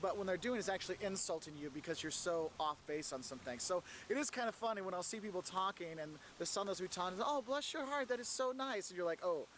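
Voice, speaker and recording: A man with a high voice explains a point emphatically, addressing the viewer directly. Faint outdoor noise sits behind him, with traffic passing somewhere nearby. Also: lively intonation, fast, hardly any pauses, a bit bright. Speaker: video creator. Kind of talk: explanatory vlog talk.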